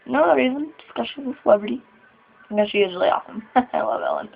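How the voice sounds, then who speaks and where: A nervous 21-year-old trans man speaking haltingly in a personal vlog, sighing and laughing between thoughts. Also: very high-pitched, expressive, gravelly, husky. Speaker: vlogger. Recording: tinny phone-like sound.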